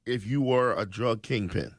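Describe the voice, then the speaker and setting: A state legislator, a guest in a radio studio, speaks in a mid-range voice at a normal pace during a conversational interview. He's earnest, says "um" a lot, and frequently restarts his sentences. The recording is dry.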